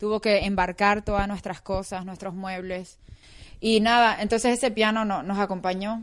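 Her intonation is monotone and flat, her pitch medium, and the woman keeps to a moderate pace. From Bolivia. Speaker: female boxing champion. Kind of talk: casual interview. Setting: in-person interview at home.

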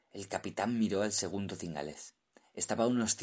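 Someone is reading aloud in a natural voice with little sound in the background.

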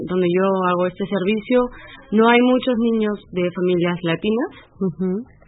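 Over noticeable background noise, a woman talks very slowly with ordinary pitch variation. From Lima, Peru. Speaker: volunteer childcare worker. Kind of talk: interview. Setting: studio.

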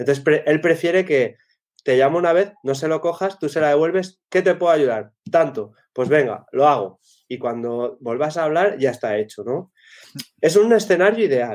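A man with an unremarkable speaking voice talks at a moderate pace and a fairly high pitch, his intonation lively. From Murcia, Spain. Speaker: freelance analytics and growth consultant. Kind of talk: casual chat. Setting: live video stream.

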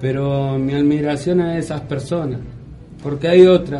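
A man's fairly high-pitched voice at a fairly slow pace, fairly even in intonation, with audible room echo and noticeable background noise. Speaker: football club supporter and charity organizer. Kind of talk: casual radio chat.

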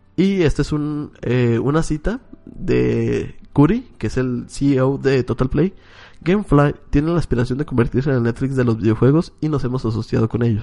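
A man speaks at a moderate pace in a medium pitch, his dark, mellow tone carrying ordinary pitch variation. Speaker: podcast host. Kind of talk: casual chat. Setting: live stream from home.

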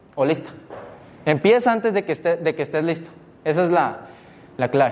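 Amid noticeable background noise, a man with a high voice speaks in an animated tone at a fairly quick pace, with ordinary pitch variation. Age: 20s. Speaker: entrepreneur. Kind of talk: motivational talk. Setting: stage with audience.

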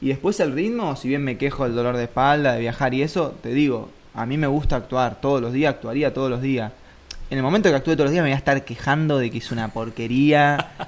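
Speaking at a fairly quick pace, a man with a Rioplatense accent has a fairly high pitch. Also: ordinary pitch variation. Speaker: comedian. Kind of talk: casual chat.

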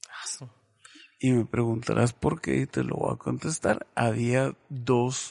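A man speaks at a very slow pace. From Mexico, Ciudad Juárez (Chihuahua). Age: 60s. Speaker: local television station director. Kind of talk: casual interview. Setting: office.

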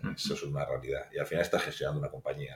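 Speaking with a Spanish accent, a man talks at a very fast pace. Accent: Spanish (Spain). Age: 50s. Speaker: cycling team executive. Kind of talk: interview. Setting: in-person studio room. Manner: hesitant, with many fillers.

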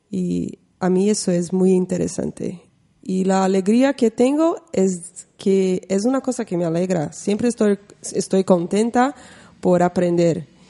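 A woman's voice at a medium pitch with a Brazilian accent, ordinary pitch variation and a fairly slow pace, in a dry, close sound with no echo. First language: Portuguese (speaking Spanish). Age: 30s. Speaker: podcast guest. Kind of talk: interview.

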